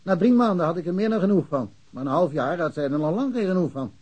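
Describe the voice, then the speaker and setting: An actor playing a frank, middle-aged provincial police chief in a radio drama, candid and musing with a wry streak. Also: male voice, high-pitched, expressive, fast talker, darkish tone, husky. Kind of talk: naturalistic radio drama dialogue.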